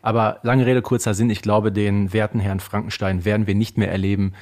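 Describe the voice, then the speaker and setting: A man's voice: lowish voice, little pitch movement, brisk, a little mellow. A man co-hosting a podcast, talking casually and matter-of-factly like a knowledgeable fan. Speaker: podcast co-host.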